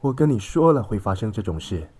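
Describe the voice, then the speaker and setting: A man's voice: lowish voice, very animated, brisk, mellow, husky, voice pushed up. A man voicing a frustrated, reproachful companion who is eager to leave, in an audiobook story. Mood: impatient. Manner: reproachful, impatient.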